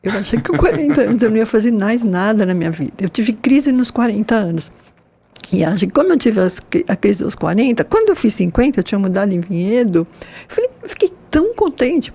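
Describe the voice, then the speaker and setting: An enthusiastic woman in her sixties chats on a panel, her voice pitched a little high yet mellow and dark in tone. She talks expressively, often tagging her sentences with little checks for agreement. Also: breathy edge. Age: 60s. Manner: enthusiastic, expressive, with frequent "né?" tags. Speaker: nurse and guest. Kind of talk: casual panel conversation.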